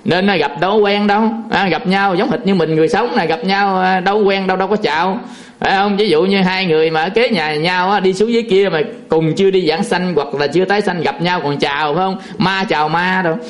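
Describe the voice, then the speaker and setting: A man's voice: high voice, fast. A man, a Buddhist monk telling a folksy, chuckling story in a sermon, full of fillers.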